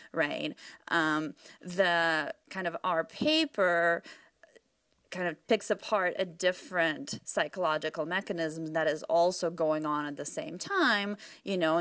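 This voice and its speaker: A woman's voice: lowish voice, vocal fry, fairly bright tone, no room sound. A woman researcher giving conversational, explanatory interview answers, informal and peppered with "you know" and "right".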